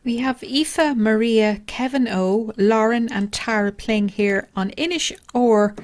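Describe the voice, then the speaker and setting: A woman's voice: fairly high pitch, slow pace. A woman co-hosting a bingo game, reading out names and messages with casual banter. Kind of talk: casual banter and read-outs.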